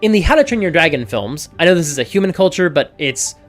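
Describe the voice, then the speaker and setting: A man's voice: fairly high pitch, expressive, fast, faint music behind. A man giving an articulate explanatory video commentary, building an argument with small asides. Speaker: video essayist.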